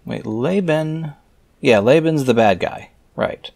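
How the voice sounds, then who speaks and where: A man's voice: mid-range voice, lively intonation, slow pace, creaky, a little mellow, no room sound. A man reading scripture aloud and breaking off for offhand, wry, skeptical comments, sometimes muttering as he thinks aloud. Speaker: reader and commentator.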